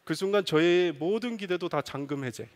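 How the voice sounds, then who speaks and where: A male pastor preaching a sermon with animated storytelling, acting out the voices of his family. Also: high voice, moderate pace. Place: church sanctuary. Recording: long reverb of a church hall.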